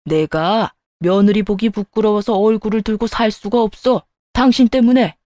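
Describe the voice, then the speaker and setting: A woman's voice: mid-range voice, steady tone, normal speed, warm tone, no room sound, lightly acted. Stern older father-in-law, harsh scolding, voiced by a woman, dry close sound. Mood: furious. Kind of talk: storytelling dialogue.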